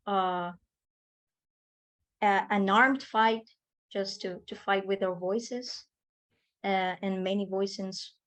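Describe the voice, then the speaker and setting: A woman giving personal testimony on a video call, haltingly searching for words. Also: mid-range voice. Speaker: audience participant in an online discussion.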